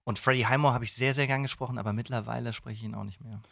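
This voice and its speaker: A man's voice: mid-range voice, fairly even intonation, racing, creaky, fairly bright tone, no echo, studio quality. A man, a voice actor chatting casually as an interview guest. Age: 30s. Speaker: guest, voice actor for dubbing and audio dramas.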